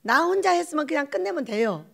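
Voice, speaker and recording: A woman preaches a sermon in a lively, animated way and breaks into quoted voices as she goes. Her voice sits high and has a gravelly, creaky edge. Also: fast. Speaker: pastor.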